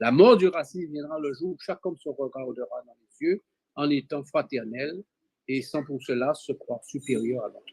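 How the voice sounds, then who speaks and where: This man has a plain, everyday voice, pitched fairly high. He talks at a moderate pace with ordinary pitch variation. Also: big swings in loudness. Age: 60s. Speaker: interviewee. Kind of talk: interview conversation.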